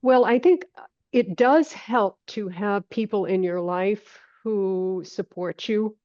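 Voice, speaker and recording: A holistic health teacher in her seventies, from an island off the coast of Maine, answers conversationally as a podcast guest, repeating phrases for emphasis. Her medium-pitched voice is slow and a little mellow, in a dry recording with the highs cut off.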